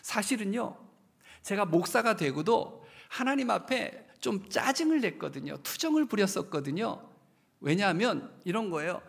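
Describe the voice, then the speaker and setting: A middle-aged man, a pastor, preaching a sermon in a church, telling stories and growing louder at emotional peaks. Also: sits high, sing-song, normal speed, vocal fry, slightly rough. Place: church sanctuary.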